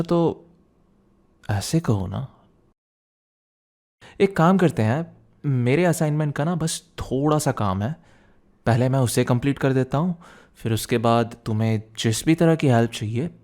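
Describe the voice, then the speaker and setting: A man performs a young student boyfriend in an intimate ASMR roleplay. His voice is mellow and relaxed at a medium pitch. He speaks softly and conversationally, protective one moment and playfully suspicious the next. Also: unhurried, long pauses, close to an everyday voice. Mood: indulgent, suspicious.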